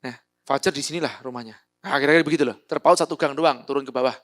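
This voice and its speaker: A middle-aged man, a speaker with Javanese as his first language, telling a personal story in a lively, animated way. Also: rapid-fire. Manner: animated storyteller, voices quotes with big pitch jumps. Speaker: motivational speaker. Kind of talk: storytelling talk.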